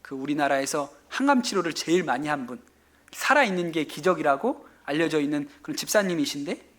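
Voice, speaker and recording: A male pastor giving a sermon in a church, telling stories and acting out quotes in an animated way. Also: fairly high pitch, brisk. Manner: animated storytelling with acted-out quotes. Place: church sanctuary.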